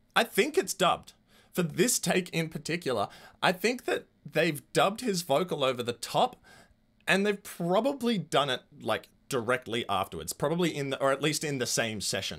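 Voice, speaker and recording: A man with vocal fry and very wide pitch swings, in a quiet background. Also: moderate pace. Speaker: audio engineer reviewer. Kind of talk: commentary. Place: studio. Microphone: headset.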